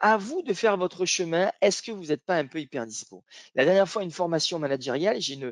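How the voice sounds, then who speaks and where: In a Marseille accent, a man talks at a high pitch and a fairly quick pace, with hardly any pauses and big swings in loudness. The sound is dry and close with no echo, over a quiet background. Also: lively intonation. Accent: southern French (Marseille). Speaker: corporate trainer and coach. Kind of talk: webinar presentation. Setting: online webinar.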